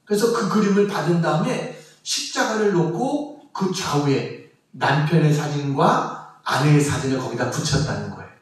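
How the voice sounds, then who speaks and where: A male pastor preaching a sermon as a story, with emotional emphasis and quiet drops in his voice. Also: a little high, lively intonation, moderate pace. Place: church sanctuary. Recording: echoey church from far off.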